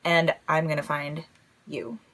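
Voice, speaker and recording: A woman's voice: deep voice, fairly even intonation, a little slow, fairly bright tone. A woman playing a wry, rambling lone radio broadcaster in a comedy audio drama, awkward and self-deprecating. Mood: grave, threatening.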